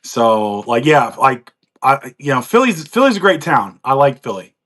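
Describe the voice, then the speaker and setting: A man's voice: mid-range voice, big pitch swings, moderate pace, a bit bright. A man in his forties from the United States, telling his life story in a rambling, chatty way with frequent laughs. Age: 40s. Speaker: guest on a live chat. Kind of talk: casual chat.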